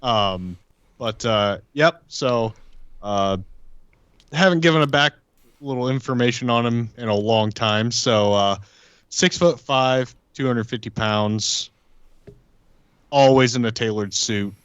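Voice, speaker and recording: Man, medium pitch, dry sound, casual, matter-of-fact, halting, tabletop podcast player. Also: a bit bright, smooth, no echo, lo-fi sound. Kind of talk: casual chat describing his character.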